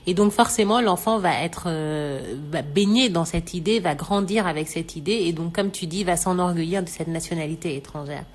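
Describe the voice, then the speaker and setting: A woman from Senegal explaining on a radio talk show, measured and thoughtful, with many fillers. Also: lowish voice. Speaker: radio show expert guest.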